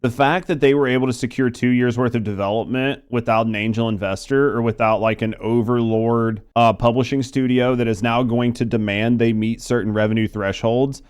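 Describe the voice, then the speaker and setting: A man with a clear, smooth voice at an average pitch. He gives casual reaction commentary as a video host, thinking aloud in a conversational way and often restarting his phrases. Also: steady tone, fairly quick, hardly any pauses, darkish tone.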